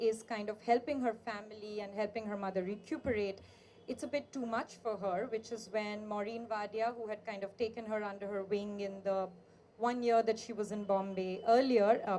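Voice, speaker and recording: A woman moderating a book launch, retelling the author's story in a brisk way with fillers. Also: medium pitch, darkish tone, a little hiss or hum. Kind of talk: summarizing the book for an audience.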